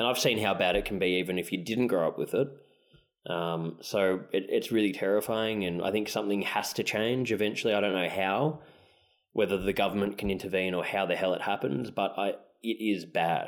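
Speaking at a moderate pace, the man has a fairly low pitch and ordinary pitch variation. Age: 30s. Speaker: author and mental health speaker. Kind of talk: interview. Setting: remote call. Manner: hesitant, many fillers.

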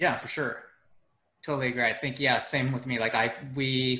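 A man with a Canadian accent talks at a fairly quick pace in a bright, sharp tone. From Toronto, Canada. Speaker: radiologist and podcast host. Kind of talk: interview, casual discussion.

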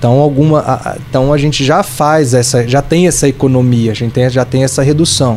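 At a moderate pace, a man speaks with fairly even intonation and very even loudness over noticeable background noise. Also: medium pitch for a man. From Brazil, Franca, São Paulo state. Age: 30s. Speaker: civil engineer and building infrastructure director. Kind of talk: interview. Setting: studio. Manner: halting, many repetitions.

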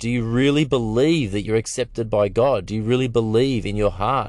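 This man speaks with an Australian accent at a medium pitch. His pitch varies in an ordinary way, and his pace is moderate. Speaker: pastor and podcast host. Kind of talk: sermon. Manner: forceful.

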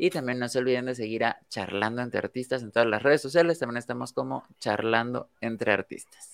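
Recorded dry and close with no echo, a man in a normal speaking voice talks at a medium pitch with ordinary pitch variation and hardly any pauses. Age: 20s. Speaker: podcast co-host and harpist. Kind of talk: casual interview.

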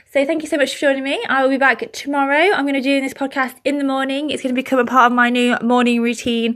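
A woman's high voice at a very fast pace, with hardly any pauses and fairly even intonation. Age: 30s. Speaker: podcast host. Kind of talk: casual solo monologue. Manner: rambling, fast run-on speech.

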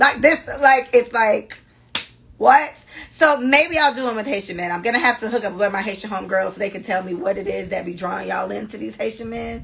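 An animated woman's voice, fairly high in pitch and fairly quick in pace, with lively intonation, big swings in loudness and noticeable background noise. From Jamaica. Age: 30s. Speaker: podcast host. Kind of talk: casual chat. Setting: home.

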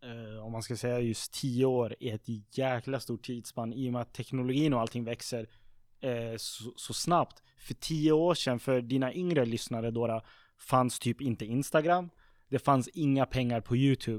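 A man with a medium pitch speaks in a plain, everyday voice at a moderate pace with fairly even intonation, in a dry, close sound with no echo on a very clean recording with a silent background. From Sweden, Södertälje. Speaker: entrepreneur. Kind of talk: casual chat.

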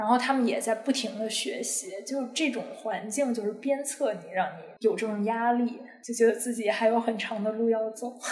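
A woman's ordinary speaking voice, fairly high in pitch, at a moderate pace with fairly even intonation and hardly any pauses. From Beijing. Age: 20s. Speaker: private equity professional. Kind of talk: casual chat.

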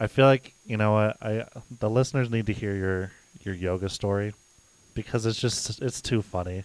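Moderate pace from a man with a fairly low voice and fairly even intonation. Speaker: podcast co-host. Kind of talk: casual chat. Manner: soft-spoken.

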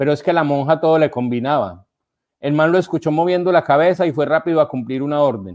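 A man talks very fast in a fairly high voice with ordinary pitch variation against a quiet background. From Colombia, Risaralda and Antioquia (Envigado). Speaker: writer. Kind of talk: casual interview conversation.

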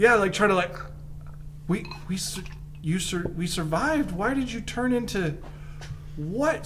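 Over noticeable background noise and audible room echo, a man speaks at a moderate pace. He has an American accent and very wide pitch swings. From Oklahoma. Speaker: podcast co-host. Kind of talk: casual chat.

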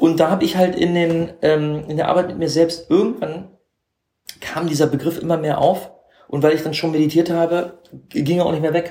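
A man's high-pitched voice at a moderate pace, with monotone, flat intonation. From northern Germany, Hannover. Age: 40s. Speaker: spiritual coach, former nightclub owner. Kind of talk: casual chat.

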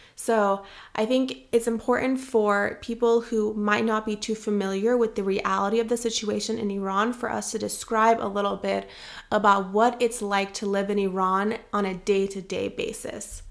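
A woman at a medium pitch and moderate pace, with monotone, flat intonation. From US. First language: Farsi. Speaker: podcast host. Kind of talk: interview discussion about current events.

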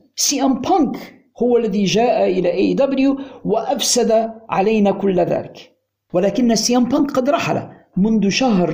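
Audible room echo surrounds a man with an extremely high voice. He talks at a moderate pace with lively intonation. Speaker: wrestling podcast host. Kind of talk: impassioned appeal; casual podcast monologue.

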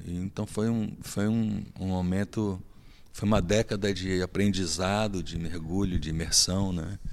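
This man speaks at a fairly slow pace with a Brasília accent, a very deep, low pitch and fairly even intonation. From Brazil, Brasília. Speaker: singer-songwriter. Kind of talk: interview. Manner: hesitant, repeats words.

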